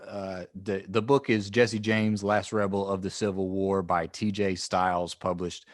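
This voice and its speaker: A lower-voiced man hosts a history podcast in a dry, close-miked sound. He walks through dates and events from his notes in a casual way, swearing freely as he goes. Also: flat delivery, unhurried, no echo. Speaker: podcast co-host.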